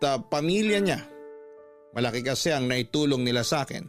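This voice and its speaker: A man narrating in the first person as a father newly out of prison, in steady, reflective scripted radio drama storytelling. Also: mid-range voice, natural voice. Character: ex-prisoner father narrating his own letter. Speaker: narrator of a letter.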